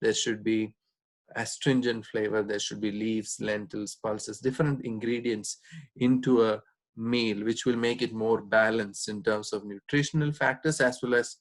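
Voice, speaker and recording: A male doctor talks informally to explain something, pausing often in a measured, hesitant manner. His pitch is fairly low and his tone steady.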